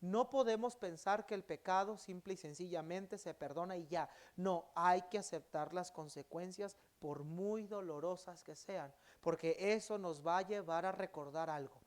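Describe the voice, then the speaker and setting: A male pastor preaching a sermon in a church, swinging between loud emphatic bursts and quiet, low endings. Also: moderate pace, few pauses. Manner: acts out quoted speech in dialogue.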